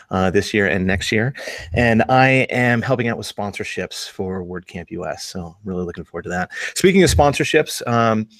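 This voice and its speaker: Male host, lowish voice, dry close sound, upbeat, stops and starts. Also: no room sound. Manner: upbeat, hesitant with many uh fillers. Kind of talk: casual panel chat.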